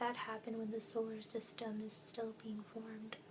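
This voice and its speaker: Soft-spoken whispering at a moderate pace, with noticeable background noise. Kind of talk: asmr reading of facts. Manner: soft-spoken, whispered.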